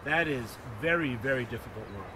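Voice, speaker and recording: A man's voice: medium pitch, animated, brisk. Man interviewing over street noise. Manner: warm and admiring, with frequent filler "uh". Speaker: podcast host. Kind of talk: conversational interview. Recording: outdoor traffic noise.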